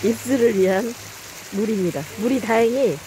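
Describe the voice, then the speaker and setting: A woman giving excited, casual live commentary from behind a camera outdoors. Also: fairly high pitch, normal speed. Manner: excited cheering and exclaiming. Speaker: camera operator and narrator. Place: outdoors beside a snowy stream. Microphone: behind the handheld camera. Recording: noisy outdoor phone camera recording.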